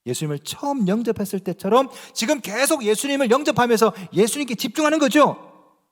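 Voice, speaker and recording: A male pastor preaching a sermon in church. He asks the congregation questions and swings between loud, emphatic lines and hushed, almost whispered ones. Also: very high-pitched, lively intonation, brisk, long reverb tail.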